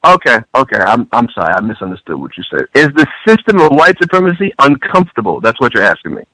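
A man's voice: mid-range voice, sing-song, fast talker, bright, forceful tone, no room sound, rough recording. A man born in France, a guest on a call-in radio show, defending himself and restarting his words often.

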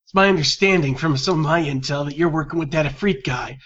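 A man's voice: on the high side, fast, fairly bright tone, dull audio, a little hiss or hum, lightly acted. A man voicing a wary, street-smart male agent in a tabletop game, cagey in casual tough talk.

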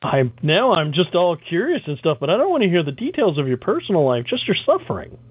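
A man's voice: fairly high pitch, huge pitch swings, a little fast, breathy edge, dry recording. Wisecracking man on a tinny line. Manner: wisecracking, sardonic. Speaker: co-host. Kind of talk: casual talk show banter.

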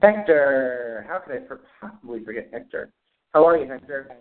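A man of ordinary pitch leads a spiritual class over the phone, his voice narrow and tinny as if heard through a handset. He speaks plainly and without hurry, calling on people and guiding a prayer. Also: animated, normal speed. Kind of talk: teleconference roll call and guided prayer. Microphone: phone call.

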